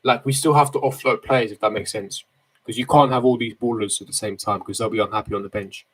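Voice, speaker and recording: Talking fast, with a lowish voice and fairly even intonation, a late-teen football fan streamer, aged 18, gives slangy, opinionated answers to livestream viewers and repeats himself for emphasis. He chats casually from a small indoor bedroom into a desk mic just in front of him.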